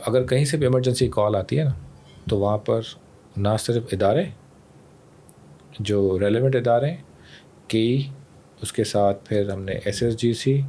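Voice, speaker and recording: A man's voice: on the low side, warm tone. A man with a Pakistani accent explaining his emergency service as a podcast guest, mixing English phrases into his talk. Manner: mixes in English words and phrases. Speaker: emergency rescue service official, interview guest. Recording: clear background noise.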